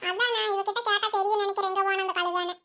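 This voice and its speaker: A woman's voice: extremely high pitch, level tone, fast talker, pushed and bright, heavily acted. A woman voicing a nosy, scolding old village mother-in-law in a cartoon comedy, grumbling and bossy in Kongu Tamil.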